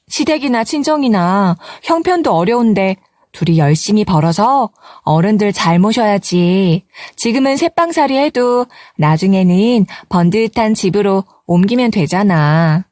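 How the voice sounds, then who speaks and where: A gentle, devoted young husband, as a woman narrator puts him on, voice dropped low and soft. He reassures calmly, recorded close and dry for a story narration. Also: measured pace, no echo, lightly acted. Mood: reassuring.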